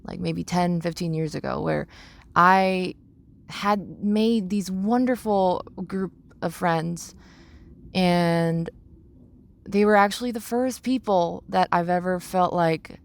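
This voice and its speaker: Slow, creaky-voiced young woman. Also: lowish voice. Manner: halting, searching for words, with repeated phrases. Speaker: podcast host. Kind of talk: reflective personal monologue.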